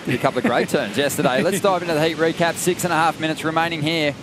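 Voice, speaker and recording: A man leading surf contest commentary in a steady play-by-play way. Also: a little high, fast talker, background noise. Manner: steady play-by-play, leads the broadcast. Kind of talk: sports commentary.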